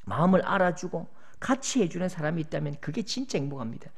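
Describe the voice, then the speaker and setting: A male pastor with a Gyeongsang accent, preaching a sermon as lively storytelling. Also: fairly high pitch, fast talker. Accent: Gyeongsang Korean. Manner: lively storytelling, acting out voices.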